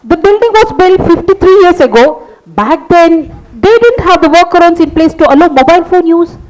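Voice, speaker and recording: The stage character acted by a woman is an imaginative, fretful woman. Her voice is extremely high, and she speaks in a questioning, precise, literal-minded way. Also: animated, moderate pace, a little mellow, rough recording. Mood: matter-of-fact. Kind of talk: staged play reading.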